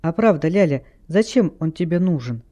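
A man playing a sensible teenage girl sleuth with a raised, mellow voice. She speaks firmly yet gently, reasoning things through in an audiobook. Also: on the high side, animated, moderate pace. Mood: calm. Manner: firm but gentle, reasoning.

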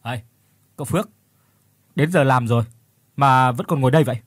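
A man's voice: medium pitch, brisk, dry recording, natural voice. A man voicing a brusque middle-aged male company director who talks bluntly and teases in a spoken horror story. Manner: blunt, offhand, mildly mocking.

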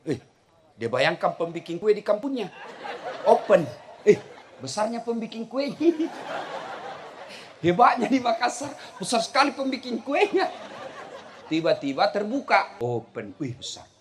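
A middle-aged male preacher, giving a humorous religious lecture and telling stories with shouts and laughter. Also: high-pitched, slight background noise. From South Sulawesi. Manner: animated storytelling, bursts into shouts and laughter.

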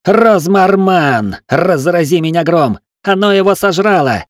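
A man voicing a panicked young male ship gunner who yells frantically in coarse speech. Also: sits high, lively intonation, a little slow, no room sound, clean studio sound, voice pushed up.

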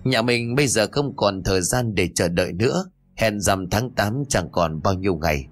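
Brief: impatient young son in an audio ghost story, curt and irritated, in a low voice, read by a male narrator, soft music behind. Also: expressive, moderate pace. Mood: urging. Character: angry, impatient young man, a mother's son.

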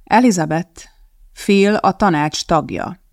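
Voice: medium pitch, no echo, clean studio sound, lightly acted. An audiobook reader voicing an anxious male TV producer who pleads and frets. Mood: worried. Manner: worried and pleading. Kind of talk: audiobook character voice.

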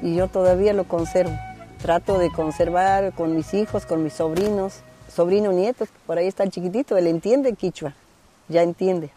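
A middle-aged rural homemaker from Santiago del Estero giving a slow, heartfelt testimony about her land. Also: fairly low pitch, dark tone, faint music behind. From Santiago del Estero, Argentina.

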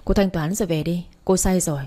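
A woman's voice: fairly low pitch, steady tone, brisk, dark tone, lightly acted. A woman voicing a brusque, impatient young man who runs a bar, talking in a curt, scolding way.

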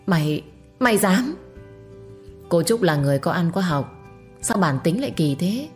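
A woman narrating a dramatic first-person story, steady and expressive. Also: on the low side, a little fast, faint music behind.

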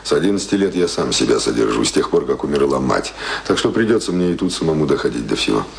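An actor playing a rough, earnest, uneducated young sailor in a radio drama, speaking plainly and colloquially. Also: male voice, rumbling low, very animated, fast, a little hiss or hum, exaggerated voice. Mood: humble, determined. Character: rough, eager, uneducated twenty-year-old sailor, strong and earnest. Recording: studio radio play.

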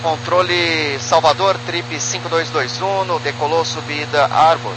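A Brazilian male pilot makes air traffic control radio calls. His voice is a bit high, and the transmission has clear hum and noise. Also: fairly even intonation, a little slow. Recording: noisy cockpit radio with hum.

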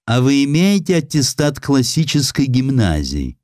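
A man's voice: medium pitch, very animated, moderate pace, darkish tone, dry recording, studio quality, voice pushed up, natural voice. A man voicing a haughty, officious male official who talks down to an applicant in a condescending way. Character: haughty, dismissive official turning an applicant away.

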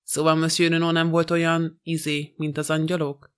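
Man doing a calm dry detective, super flat delivery, audiobook vibe. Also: on the high side, smooth, close to an everyday voice. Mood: composed. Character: calm, shrewd middle-aged male detective.

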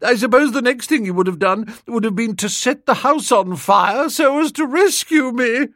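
A man voicing a bossy, self-assured young upper-class woman, speaking high and in a breezy, condescending way. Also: expressive, normal speed, fairly bright tone, dry recording, clean studio sound, full character voice. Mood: teasing.

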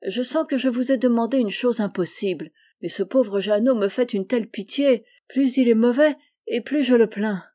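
A woman's voice: mid-range voice, normal speed, warm tone, lightly acted. Humble, earnest boy , read by a woman, imploring and devoted, storybook audiobook. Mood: pleading, earnest. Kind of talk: audiobook reading.

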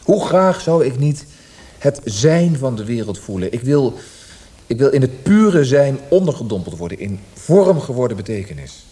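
An actor playing a brooding poet in a Dutch radio drama, speaking in a reflective, literary way. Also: male voice, mid-range voice, sing-song, moderate pace, dark tone, close to an everyday voice. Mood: fervent, searching. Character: brooding male Austrian poet tormented by language.

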